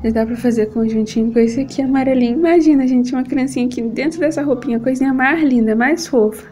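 Brazilian woman vlogger, young, high and mellow voice, gushing, self-filmed at home. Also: fast, a little hiss or hum. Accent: Brazilian Portuguese. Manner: gushing and affectionate, keeps calling out to viewers. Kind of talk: casual unboxing vlog. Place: at home, at a table. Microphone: camera set up on the table.

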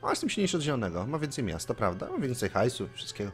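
Male let's play host, chatty, casual swearing, very animated pitch, game music faint behind. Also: quick pace. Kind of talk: casual gameplay commentary.

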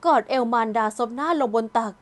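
A woman narrating an audio novel in a calm, gentle storytelling voice. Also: fairly quick. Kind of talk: scripted narration.

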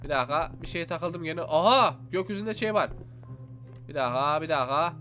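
A young man giving excited let's-play commentary, exclaiming and talking to his viewers as he plays. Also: a little high, a little fast. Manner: animated, exclaims and talks to viewers. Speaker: gaming YouTuber. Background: faint game music.

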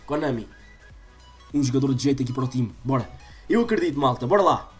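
A man in his twenties with a European Portuguese accent and a slightly stuffy nose, doing excitable gaming commentary for his viewers. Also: mid-range voice, fast talker. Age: 20s. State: slightly congested from a cold. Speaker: gaming YouTuber. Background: game music.

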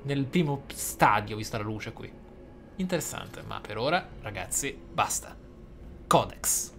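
Fairly low-pitched with vocal fry, this man sounds animated yet keeps a measured pace. He hosts a role-play gaming video, giving reflective, explanatory commentary and reading some in-game text aloud, with faint noise and game ambience in the background.

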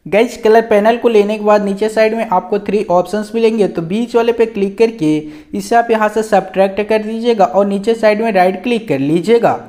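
A man's voice: high voice, brisk, hardly any pauses, a little mellow. A man casually narrating a step-by-step photo editing app tutorial as the channel's host, talking chattily to his viewers with lots of filler words. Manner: chatty, keeps calling out to friends and guys, frequent filler particles.

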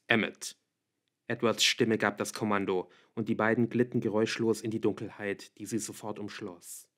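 A man narrating an audiobook in an even, measured reading. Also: fairly low pitch. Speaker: audiobook reader.

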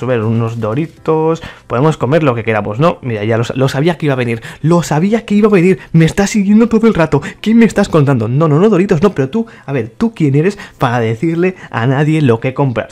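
Chatty man commentating a game. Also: mid-range voice. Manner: chatty, mock-exasperated, talks to his viewers. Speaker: gaming YouTuber. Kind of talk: casual gameplay commentary.

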